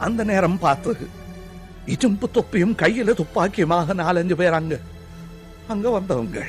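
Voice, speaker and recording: A man acts out a jittery, timid film patient with a Sri Lankan Tamil accent, his voice sitting high as he rattles off rhyming lists of everything that scares him. Faint music runs underneath. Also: close to an everyday voice. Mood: sorrowful telling. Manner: rapid rhyming list-like recitation, nervous. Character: timid middle-aged man afraid of everything. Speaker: patient describing his fears to a doctor. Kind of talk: film comedy acting.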